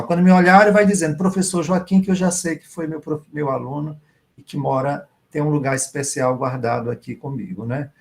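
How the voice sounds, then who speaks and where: Middle-aged male writer, guest at an online talk; raspy fry, fairly high pitch, warm reminiscing tone. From Maranhão, Brazil. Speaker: writer and professor, guest speaker. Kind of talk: online literary conversation.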